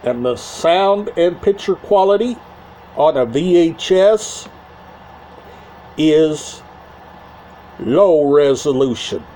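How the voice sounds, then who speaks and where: Slow, high-pitched man with halting delivery. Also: expressive, warm tone, a little hiss or hum. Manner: repetitive, halting short phrases. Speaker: YouTube channel host. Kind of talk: casual talk to camera about a media collection.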